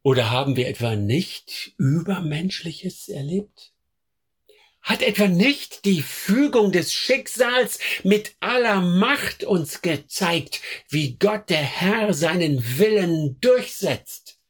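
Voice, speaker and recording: A man's voice: high-pitched, lively intonation, takes it slowly, breathy edge, exaggerated voice. A man playing a devout crusade follower who recalls the march in solemn, rhetorical radio drama narration. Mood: fervent.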